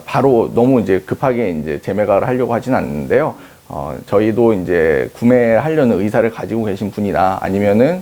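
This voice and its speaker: A man in his thirties, a company head, answering interview questions in a measured, explaining way with frequent hesitation fillers. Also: lowish voice, warm tone. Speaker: company CEO interviewed on art investment.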